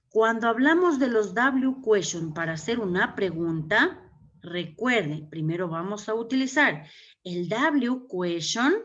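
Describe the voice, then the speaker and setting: A woman teaching English grammar in Ecuadorian Spanish during an online class, explaining step by step and checking in with "okay?". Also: mid-range voice. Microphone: computer mic on a video call. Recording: dull lo-fi video call audio.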